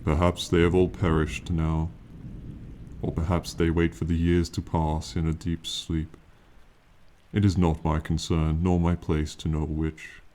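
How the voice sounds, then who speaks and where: An ancient, proud dragon speaks , played by a man, in a very deep, dark voice with little rise or fall. The manner is solemn and condescending, with archaic phrasing suited to a fantasy ASMR roleplay. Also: completely flat delivery. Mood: detached, solemn. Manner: slow, solemn, archaic, condescending speech to a mortal. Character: ancient, proud, aloof male dragon companion. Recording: faint rain noise behind. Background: rainfall ambience.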